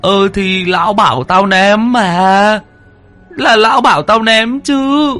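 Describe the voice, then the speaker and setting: A man voicing a foolish, childish fat boy who cheers loudly and makes sulky excuses. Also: high voice, slow pace, faint music behind, pitched above the performer's own voice, exaggerated voice.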